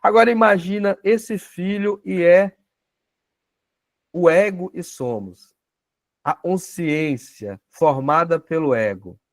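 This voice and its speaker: Brazilian male teacher, slightly high voice, dry close sound, chatty, asks the room questions. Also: slow pace, pauses often, no room sound. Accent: Brazilian Portuguese. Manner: conversational, tag questions, acts out dialogues. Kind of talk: spiritual self-knowledge class.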